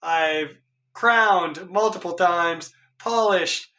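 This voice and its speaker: In his home workshop, a middle-aged guitar tech with a hoarse voice thinks aloud for a casual vlog, puzzled and exasperated. His pitch is high, his words drawn out, his tone bright and forceful. A camera a few feet away picks him up.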